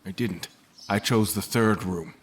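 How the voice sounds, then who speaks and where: Captive in an audio drama male actor. Lowish, halting, scared and wary, plainspoken, some background noise. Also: close to an everyday voice. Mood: shaken, halting. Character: frightened, confused captive man, wary and defiant.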